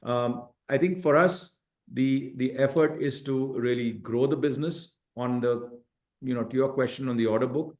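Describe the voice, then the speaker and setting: A man's voice: medium pitch, a little mellow. A man speaking as a company executive, giving methodical, explanatory answers on an earnings call. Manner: measured, methodical, enumerating points.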